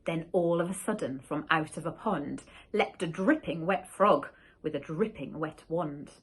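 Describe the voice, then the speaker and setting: A woman teacher reading a rhyming picture book aloud, slow and expressive. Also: low voice, husky, poor audio.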